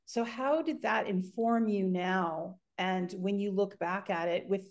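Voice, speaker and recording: A middle-aged woman hosting an interview over a video call from home, talking haltingly with many fillers. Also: mid-range voice, darkish tone. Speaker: host. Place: home room, indoors.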